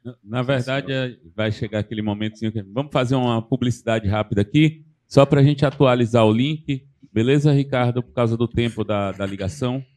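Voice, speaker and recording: A man co-hosting a live podcast, explaining the show's logistics and reading sponsor copy in a steady, orderly way. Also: mid-range voice, brisk. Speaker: co-host, reads sponsor ads.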